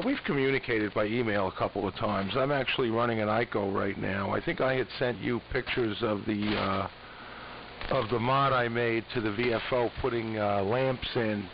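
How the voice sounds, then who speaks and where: Clear static surrounds a dulled AM radio signal. An American man with a mid-pitched voice talks casually, in the style of a ham operator taking his turn on the air. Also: lo-fi sound. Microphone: ham radio transmission.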